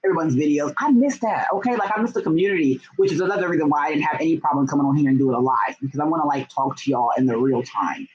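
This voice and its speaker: A young man chatting casually on a livestream as a book vlogger, gushing and excitable, with slangy phrasing full of "like" and "y'all". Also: a little high, very fast, few pauses, muffled recording, a crowd in the background. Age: young adult.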